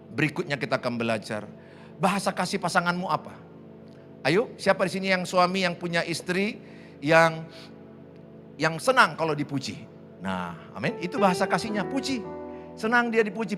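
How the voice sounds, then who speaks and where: A man's voice: fairly high pitch, sharp tone. A man preaching a sermon as pastor, humorous and acting out everyday dialogue, then rising to impassioned exhortation. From Indonesia. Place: church.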